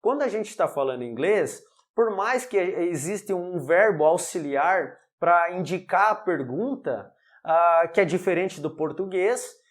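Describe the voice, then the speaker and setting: Man teaching English, slow clear examples. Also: high voice. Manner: explains step by step, checks in with "ok?" and "alright?"; pronounces English examples slowly. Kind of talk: online English lesson.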